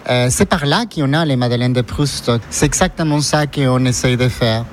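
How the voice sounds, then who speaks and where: A middle-aged man speaks with a clear Ecuadorian Spanish accent, earnest and openly enthusiastic. He is interviewed inside an ice cream shop, a faint hum of the room behind him. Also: mid-range voice, moderate pace. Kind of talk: radio interview on location.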